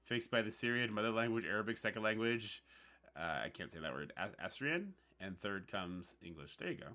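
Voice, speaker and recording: A man from Newfoundland with a Newfoundland accent, hosting a casual livestream. He reads on-screen text aloud haltingly and chats with his viewers. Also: lowish voice, animated, bright, forceful tone. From Newfoundland, Canada. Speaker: livestream host.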